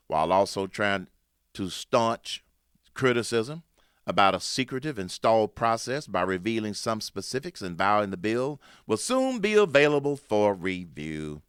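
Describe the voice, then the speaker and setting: A man hosts a talk show, running through the news with a lively, swinging pitch. His voice is bright and smooth. The studio sound is dry and close, and he mixes loud emphasis with low asides. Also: dry recording. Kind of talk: opinionated news commentary.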